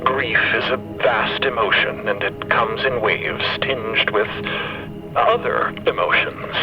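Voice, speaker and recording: Slow, composed, eloquent eulogist. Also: male voice, on the low side, muffled recording, music in the background. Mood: consoling, solemn. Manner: measured, deliberate, articulate oratory. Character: composed, eloquent crew member, gentle grieving eulogist. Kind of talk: acted audio drama monologue.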